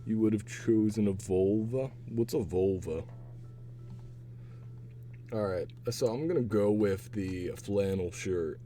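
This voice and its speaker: A young man streaming casual chat while he takes online quizzes. His voice is hoarse and raspy, and he rambles with a chatty manner. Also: fairly low pitch, slow, long pauses, dark tone, slight background noise. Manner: chatty, rambling, laughs to himself. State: hoarse, voice partly gone.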